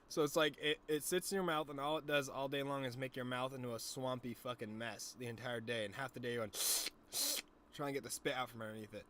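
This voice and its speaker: A man's voice: medium pitch, a bit bright. A young man rambles loosely to his audience, his speech catching on a lisp and a stutter. He swears freely and keeps the chat jokey and meandering. A faint hiss sits under the recording. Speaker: streamer. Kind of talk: casual stoner vlog chat.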